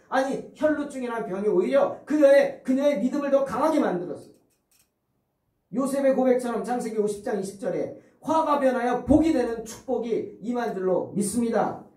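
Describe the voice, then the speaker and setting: A man's voice: sits high, warm tone. A male pastor delivers a sermon in a church sanctuary, telling the story dramatically and firing rhetorical questions at his listeners. His voice swings widely up and down. He is picked up from some distance in an echoey room. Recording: roomy, distant church recording.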